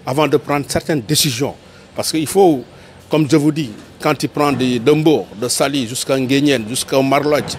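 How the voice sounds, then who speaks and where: A man's voice: on the high side, a little hiss or hum. Earnest Senegalese man pleading outdoors. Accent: Senegalese French. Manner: earnest, pleading, repeats points. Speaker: tourism worker interviewed. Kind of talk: street interview, earnest appeal.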